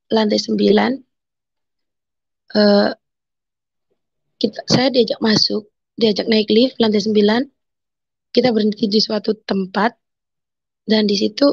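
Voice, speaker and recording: Husky emotional woman telling her testimony. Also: medium pitch, level tone, dry recording, lo-fi sound. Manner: emotional, halting storytelling with quoted inner speech. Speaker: testimony speaker. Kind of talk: personal conversion testimony.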